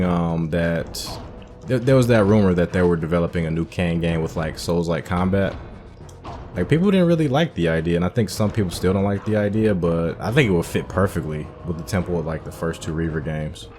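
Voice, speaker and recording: A man hosting a game playthrough, giving relaxed, rambling commentary full of fillers. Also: deep voice, a little fast, a little hiss or hum. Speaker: gaming host. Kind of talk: casual gameplay commentary.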